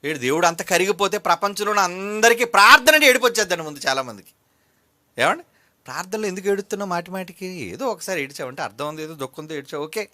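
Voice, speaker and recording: A man preaching a sermon with an Andhra Telugu accent, his high voice bright and cutting. His pitch leaps up and down as he scolds and mocks his listeners. The sound is dry and close, with no room around it. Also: lively intonation, fast, no echo. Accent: Telugu regional, Andhra. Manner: scolding, mocking, mimics imagined people in quotes.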